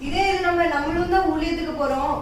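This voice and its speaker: A woman playing an earnest church sister who lectures a friend and quotes Bible verses slowly, in an amateur family skit. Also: very high-pitched, noisy background. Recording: echoey room, far from mic.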